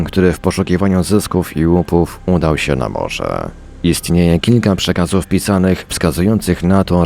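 A male narrator with a low voice reads prepared text for a radio audiobook. His delivery is formal and measured, in the manner of a storyteller presenting written accounts. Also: darkish tone. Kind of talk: scripted narration, audiobook reading.

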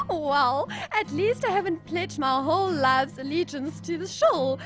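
A woman's voice: very high-pitched, big pitch swings, unhurried, fairly bright tone, heavily acted. A woman playing a playful, teasing, passionate lover in an audio drama, with music behind her. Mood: teasing, amorous. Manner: giggly, teasing.

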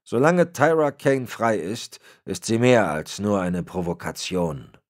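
A man voicing a frail, cold old crime boss who gives orders in a raspy voice. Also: on the low side, lively intonation, a little slow, pitched above the performer's own voice. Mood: icy. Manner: cold, commanding. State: raspy, cracking voice.

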